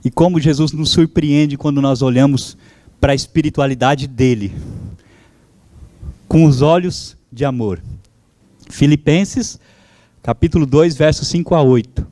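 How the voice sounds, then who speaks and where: A man's voice: fairly high pitch, unhurried, long pauses, dark tone, no room sound. A man whose first language is German, preaching a sermon as pastor, fervent and calling out to his congregation.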